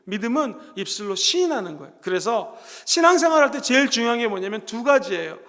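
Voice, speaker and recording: Fast, high-voiced man preaching with hall echo. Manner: animated, acts out dialogue in voices, shouts key lines; gets the congregation to repeat words after him. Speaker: pastor. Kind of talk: lively sermon to a youth service. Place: church sanctuary. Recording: reverberant church hall.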